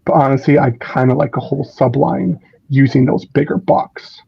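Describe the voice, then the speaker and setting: A man's voice: mid-range voice, fairly even intonation, moderate pace, creaky, breathy edge. A man talking in casual conversation. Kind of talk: casual chat. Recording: dull lo-fi microphone sound.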